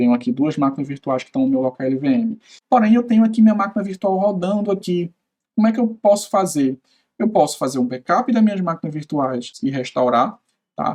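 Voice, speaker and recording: Against a quiet background, the speaker moves at a fairly quick pace with very wide pitch swings. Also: man, high pitch for a man. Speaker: tech YouTuber and course instructor; tech YouTuber, course instructor. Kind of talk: tutorial. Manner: fast. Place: home room.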